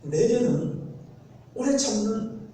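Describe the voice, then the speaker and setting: Echoey pastor preaching. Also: male voice, high voice, slow. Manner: lively, acts out everyday complaints. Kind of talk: sermon. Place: church sanctuary. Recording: echoey church hall, mic at a distance, faint noise.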